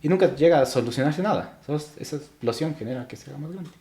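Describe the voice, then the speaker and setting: A man's voice: fairly high pitch, lively intonation, fast talker, a little mellow. A young man from Ecuador, a podcast guest, talking reflectively in casual interview chat with frequent restarts.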